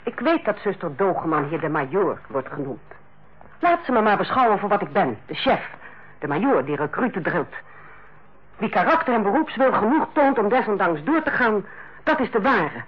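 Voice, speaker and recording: An actress playing a stern, blunt middle-aged head nurse in a Dutch radio play, with a formal, defensive manner. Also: female voice, medium pitch, husky. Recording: dull, lo-fi old radio recording.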